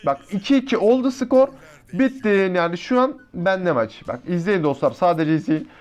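A man giving excitable, slangy live commentary over a mobile shooter match, talking to his teammates and to his viewers. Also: sits high, moderate pace, dull audio. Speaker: mobile shooter gameplay YouTuber.

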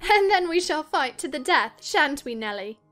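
Spoiled, excitable young lady of a classic novel, played by a woman; high voice, emphatic, music underneath. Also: normal speed. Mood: proud, insistent. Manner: emphatic, self-assured. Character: willful, spoiled, excitable young gentlewoman, married. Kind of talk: dramatized audiobook reading of a classic novel.

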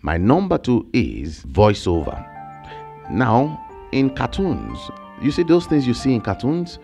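A Nigerian-accented man in his thirties who creates content about online income explains online work ideas with energy and emphasis, gesturing animatedly. His mid-range voice is unhurried, captured close on a large boom-mounted studio mic in a small home studio with shelves and plants, soft music in the background.

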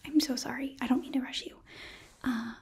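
A young woman playing an eager, apologetic demon princess who runs a hotel, gently whispering in an ASMR roleplay with a hesitant manner. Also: high-pitched, fairly even intonation, fairly quick, husky, full character voice. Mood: anxious, eager. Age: young adult. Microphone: close microphone, seated before camera.

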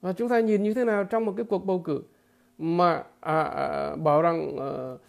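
Gravelly guy doing political commentary, lots of stalling and repeated filler words, blunt and emphatic. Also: on the high side, steady tone. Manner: halting, with many repeated fillers; emphatic, with blunt crude imagery. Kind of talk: political commentary monologue to viewers.

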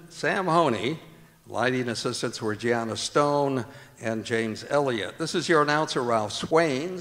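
A man's voice: medium pitch, fairly bright tone. A man announcing in a formal, scripted old-time radio style. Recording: reverberant auditorium, music behind.

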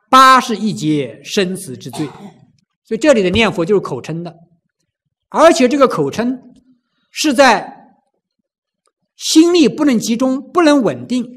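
Animated high-voiced man preaching a sermon. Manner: animated, rhetorical questions, acts out cries. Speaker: Buddhist preacher.

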